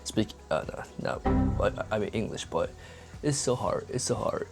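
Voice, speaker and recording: A young man who speaks English with a Japanese accent, Japanese being his first language, talking casually to camera in a halting way with many fillers. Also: on the low side, big pitch swings, vocal fry, a little mellow, faint music behind. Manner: halting, filler-heavy, asks "right?" often. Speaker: English-learning YouTuber. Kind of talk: casual vlog talk to camera.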